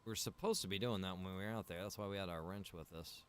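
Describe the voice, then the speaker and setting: A man with a fairly low voice talks informally while playing a game on stream. He half talks to himself and grumbles mildly. Faint noise sits behind his voice. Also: quick pace. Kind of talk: casual chat while gaming.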